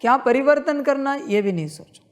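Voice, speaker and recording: A woman leading a guided meditation, repeating her instructions in a slow, insistent spiritual talk. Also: high-pitched, lively intonation.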